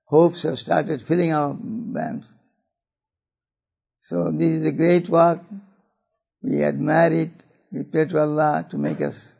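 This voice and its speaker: An older man with a South Asian accent gives a religious talk to an audience, phrasing deliberately and dropping in Urdu and Arabic phrases. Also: on the high side, creaky, darkish tone, breathy edge, muffled recording. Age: older, 70s or above. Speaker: religious speaker.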